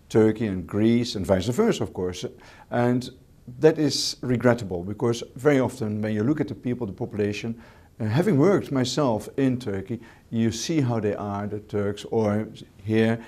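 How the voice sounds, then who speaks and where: A man from the Netherlands, a hotel manager, takes interview questions in English, which isn't his first language. His lowish, darkish voice is measured, and he falls back on fillers and repeated words.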